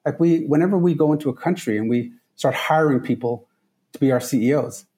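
A man from Trinidad speaks as a podcast guest, earnest and emphatic, often repeating his key points. His voice is mellow and warm, with a relaxed tone. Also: medium pitch, a little fast. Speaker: guest, travel company founder. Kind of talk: podcast interview answers.

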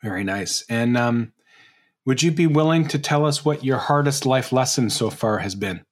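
A man's voice: mid-range voice, lively intonation, moderate pace. A man hosting a podcast who asks questions, reacts briefly and reads a scripted outro. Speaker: podcast host.

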